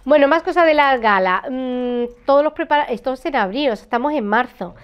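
A woman's voice: sits high, lively intonation, a little fast, lo-fi sound, crowd noise. A middle-aged woman with an accent from Spain, hosting a chatty, informal interview with encouraging interjections. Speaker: interviewer, host. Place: indoor room, seated interview.

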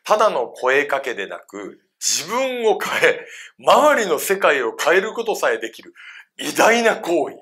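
A man leads a live seminar, speaking to a room of adult listeners. His delivery is playful and he keeps turning questions back to the crowd. His voice is bright and forceful, and his pitch swings widely from phrase to phrase. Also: measured pace. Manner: animated, playful, quizzes the audience. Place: seminar room with a live audience of about twenty or thirty adults.

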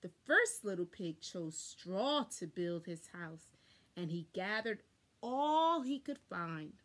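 A young adult woman reading a children's story aloud expressively, with deliberate, dramatic emphasis, recorded indoors on a camera a short distance away. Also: on the low side, very animated, fairly bright tone. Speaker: storybook reader. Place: small furnished room indoors.

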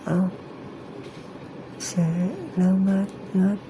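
Man talking in a soft put-on high voice. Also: noisy background. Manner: deliberately raised, soft falsetto-like voice; chatty, joking asides while working. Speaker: ear cleaner. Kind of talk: ear-cleaning demo narration to camera.

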